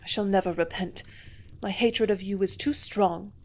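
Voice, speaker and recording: A defiant young woman from a storybook, determined and firm, raising her voice in refusal, as a woman reader plays her. Her tone is resolute and bright. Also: mid-range voice, normal speed, lightly acted. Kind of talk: audiobook character voice.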